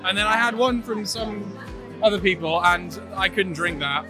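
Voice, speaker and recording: A man's voice: high-pitched, fairly even intonation, moderate pace, music in the background. A man chatting enthusiastically as a podcast guest.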